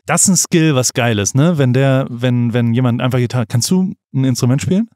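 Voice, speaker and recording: A man hosting a podcast, talking in a relaxed, colloquial way full of slang and fillers. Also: mid-range voice, brisk, dry recording, clean studio sound. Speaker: podcast host. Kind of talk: casual chat.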